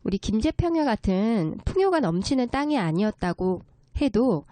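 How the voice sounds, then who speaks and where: A woman's voice: on the high side, big pitch swings, moderate pace, warm tone, no echo. A woman speaking as a guest expert, explaining local folk culture politely and step by step. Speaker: guest expert, children's story writer.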